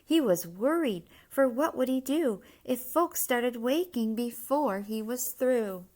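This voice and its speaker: Slow-paced woman reading a children's story. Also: a little high. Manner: measured, expressive rhyming storytelling. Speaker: story reader. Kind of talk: children's picture book read-aloud.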